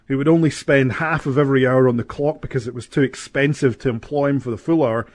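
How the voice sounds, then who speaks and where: A man co-hosting a comedy show, giving a scripted, mock-serious introduction in a deadpan manner. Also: medium pitch, quick pace.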